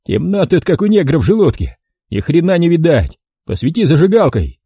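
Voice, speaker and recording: Man doing a hoarse gruff thug. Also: very animated, fairly quick, dark tone, no room sound, dull audio, heavily acted. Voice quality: hoarse, cracked baritone. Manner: barking, rude. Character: hoarse gruff male thug, crude and bossy.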